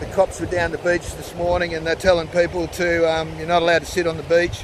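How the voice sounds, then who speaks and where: Speaking at a fairly quick pace, a man with a high pitch keeps a monotone, flat intonation, with noticeable background noise and a dry sound with no echo. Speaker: fitness vlogger. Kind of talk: casual vlog chat. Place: beach. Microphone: phone near.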